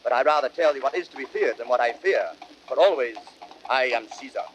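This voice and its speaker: An actor playing a proud, suspicious, imperious Roman ruler with commanding, pompous Shakespearean delivery. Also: male voice, mid-range voice, brisk, lightly acted. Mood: haughty, wary. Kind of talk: classical Shakespearean radio drama acting. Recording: noisy vintage spoken-word drama record.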